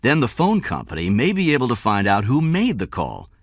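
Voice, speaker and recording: A narrator voicing a tense, forceful businessman father with an urgent, insistent delivery. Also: mid-range voice, huge pitch swings, brisk, no echo, studio quality, pitched above the performer's own voice.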